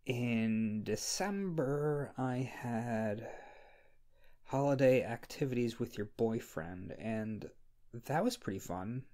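A man playing a needy, flustered young friend in an intimate ASMR roleplay, speaking softly and hesitantly in a creaky voice. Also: on the low side, exaggerated voice. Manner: hesitant, slow, halting, sheepish. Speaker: roleplay audio creator playing a character. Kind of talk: wholesome ASMR roleplay acting, intimate one-sided dialogue.

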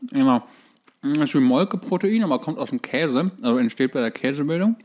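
A man's voice: mid-range voice, animated, brisk, a little mellow. A man co-hosting a casual podcast, explaining and dryly joking while sounding like he is chewing. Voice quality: chewing, speaking with mouth full. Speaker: podcast co-host. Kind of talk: casual chat.

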